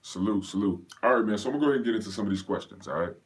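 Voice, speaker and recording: Laid-back deep-voiced male coach. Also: very fast, slightly rough. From Pennsylvania, raised in North Carolina. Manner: laid-back, greets viewers by name, slangy. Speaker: fitness coach hosting a live Q&A. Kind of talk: casual livestream chat.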